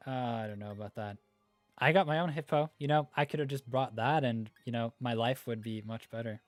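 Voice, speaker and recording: A man's voice: mid-range voice, fairly quick, dry recording, faint music behind. A man from Norway with a Norwegian accent, hosting a gaming livestream in laid-back, rambling chat while reading viewer comments. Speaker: livestream host.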